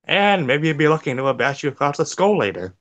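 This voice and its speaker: A man's voice: a little high, big pitch swings, fairly quick, fairly bright tone. Man trading dry quips over a movie. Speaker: co-host. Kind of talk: casual movie riff commentary.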